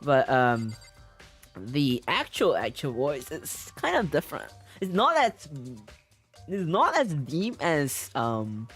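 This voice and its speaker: A man's voice: fairly high pitch, wildly swooping pitch, slow pace, a bit bright, breathy edge, faint music behind. A man streaming a story game, reading its text aloud and chatting with viewers with frequent giggles. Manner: giggly, chatty, reacting to chat.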